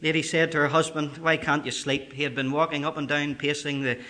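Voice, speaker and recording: A man preaching a sermon, building to loud emphatic peaks and then dropping to a soft, quiet voice. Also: fairly high pitch, flat delivery, brisk.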